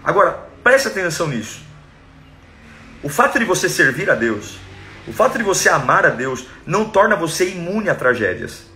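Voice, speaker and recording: Brazilian male preacher, high and bright, emphatic sermon delivery. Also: big pitch swings, moderate pace, slight background noise. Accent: Brazilian Portuguese. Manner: emphatic, acts out quoted cries dramatically.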